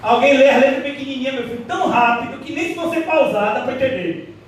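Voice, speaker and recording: High-voiced man preaching in an echoey church. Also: fast talker, slight background noise. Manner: animated preaching, acting out voices of doubters. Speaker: pastor. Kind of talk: sermon. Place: church hall. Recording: echoey hall, heard from a distance.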